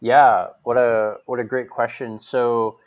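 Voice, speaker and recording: A man's voice: mid-range voice, little pitch movement, slow pace, highs cut off. A young man from Hawaii, a podcast guest talking casually with lots of fillers and restarts. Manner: chatty, many fillers and restarts. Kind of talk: casual interview conversation.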